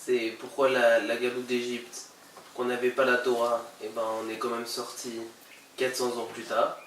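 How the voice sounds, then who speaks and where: A man's voice: medium pitch, monotone, normal speed, a bit bright. A man asking a question as a student in an informal class. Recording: echoey, distant, faint background noise.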